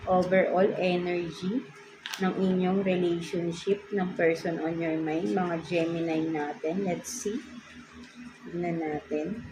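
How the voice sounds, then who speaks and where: A woman's voice: on the low side, flat delivery, slow pace. A woman with a Filipino accent giving a casual tarot reading, chatty and ending almost every phrase with a questioning "no?". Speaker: tarot reader. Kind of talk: casual tarot reading, mixing Tagalog and English. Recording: clear background noise.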